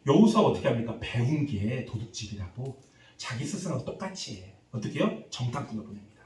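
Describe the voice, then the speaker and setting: A man preaching a revival sermon as a pastor, lively and acting out the people he quotes while quizzing the congregation. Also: mid-range voice, quick pace. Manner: animated, acts out quoted voices, quizzes congregation. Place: church sanctuary. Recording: echoey church hall, distant mic.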